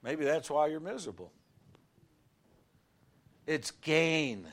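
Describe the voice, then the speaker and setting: A middle-aged male pastor preaching a sermon in a folksy, animated way, shouting on key words and telling everyday stories. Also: fairly high pitch, takes it slowly.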